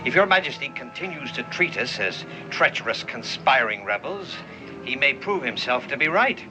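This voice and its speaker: An actor playing a genial, wise older male printer with a lively, lightly humorous manner in a television drama. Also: medium pitch, normal speed, over music, lightly acted, poor audio. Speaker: Benjamin Franklin figure.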